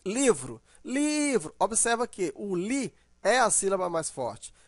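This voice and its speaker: A man's voice: high voice, sing-song, a little slow, slightly rough, no room sound, clean studio sound. A man teaching an online grammar lesson. He explains patiently, draws out example words to show the stressed syllable, and often checks in with "né?" or "ok?".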